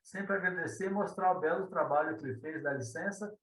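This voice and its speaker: A man's voice: a little high, a little fast, a bit bright, recorded from a distance. A man, a guest telling his story in a meandering, hesitant way, often tagging his sentences with questions. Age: 50s. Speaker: guest, ufology author. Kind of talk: conversational interview storytelling. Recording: roomy echo.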